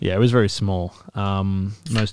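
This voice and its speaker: On a very clean recording with a silent background, a man with an Australian accent talks at a moderate pace with fairly even intonation. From Australia, Yarra Valley (rural Victoria). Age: 30s. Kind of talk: casual interview chat. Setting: studio.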